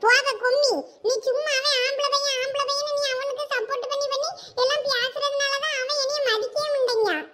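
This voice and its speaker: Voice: extremely high pitch, fairly even intonation, a little fast, few pauses. A voice actor playing a sulky, jealous girl in a cartoon, with a Thoothukudi Tamil accent. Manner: sulky, sharp-tongued. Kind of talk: cartoon voice acting.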